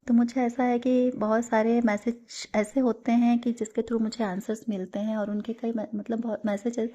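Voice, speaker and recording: A woman's voice: a little high, warm tone. A woman sharing a personal spiritual testimony, speaking earnestly and mixing English words into Hindi.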